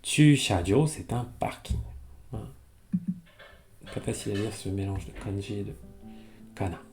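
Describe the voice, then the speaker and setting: Calm low-voiced teacher. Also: male voice, vocal fry, soft background music. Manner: reads Japanese slowly, then explains in French. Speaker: Japanese teacher. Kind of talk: language lesson reading a text aloud.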